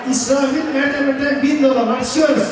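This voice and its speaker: A man working as a wedding announcer, booming out announcements and names to the guests at a live event. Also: steady tone, a little fast, noisy background. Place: large echoing wedding venue. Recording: echoey hall, distant, music and crowd. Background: music and a crowd of guests.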